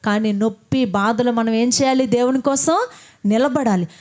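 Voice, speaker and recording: A woman with a fairly high voice preaches a sermon. She asks her listeners questions and answers them herself, then leads everyone in prayer. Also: normal speed, darkish tone.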